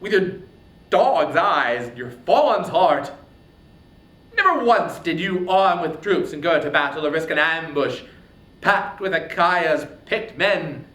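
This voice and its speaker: A man's voice: on the high side, lively intonation, slow pace, bright, forceful tone, voice pushed up, full character voice. A man voicing a proud, wrathful warrior in an epic tale, with impassioned, declamatory delivery. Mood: contemptuous fury. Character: proud, wrathful young male warrior, fiery and passionate. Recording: roomy echo, faint background noise.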